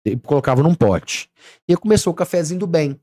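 A man's voice: fairly high pitch, brisk, no room sound. A man, a podcast guest telling stories and acting out what people said. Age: 30s. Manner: animated storytelling, acts out dialogue. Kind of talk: casual podcast chat.

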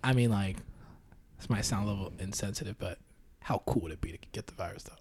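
A man's voice: lowish voice, fast talker, noisy background. A man hosting a podcast, chatting casually and teasing his guests in a playful, joking way. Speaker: podcast host.

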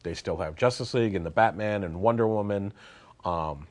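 A man with a fairly low voice speaks as a co-host on a movie podcast. He talks casually and hesitantly, often restarting and repeating words before his point comes out. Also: normal speed, a little mellow. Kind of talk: casual roundtable chat.

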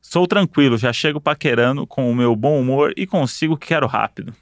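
A man's voice: mid-range voice, a little fast, no echo, studio quality. A man co-hosting a casual chat, reading out quiz options and joking around playfully. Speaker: podcast co-host.

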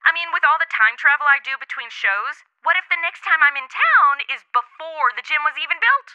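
An actress playing a sassy, shallow modern twenty-something through a telephone filter, slangy, flippant and chatty. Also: female voice, sits high, animated, brisk, bright, forceful tone, full character voice. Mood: chatty, blasé. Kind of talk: comedic audio drama. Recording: thin, dull phone-call sound.

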